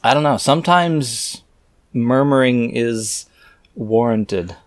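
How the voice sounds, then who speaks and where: A man reading aloud casually, breaking off into halting, musing, skeptical and irreverent commentary. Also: medium pitch, dry recording, studio quality.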